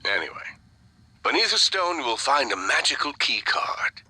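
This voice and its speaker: An actor playing a man in a video game who talks in hushed, confidential tones and teases his partner. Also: medium pitch, sing-song, moderate pace, slight background noise. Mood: playful. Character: man of authority, then a playful lover.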